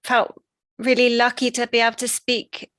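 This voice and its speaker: A woman interviewer asking gentle, friendly questions. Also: on the high side, completely flat delivery, moderate pace, no echo, studio quality.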